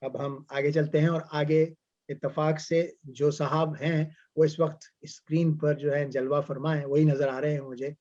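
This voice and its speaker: A male master of ceremonies speaks in a mellow, slightly high voice. His phrasing is courteous and ornate, heard through dull, muffled video call audio. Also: level tone, a little slow. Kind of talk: courteous formal event hosting. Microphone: online video call.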